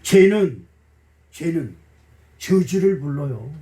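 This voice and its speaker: Slow but very animated, a middle-aged pastor's high voice carries through a church sanctuary as he preaches with folksy emotion. He acts out different voices and drops blunt jokes on the congregation, and the distant pickup leaves his sound set back from the mic.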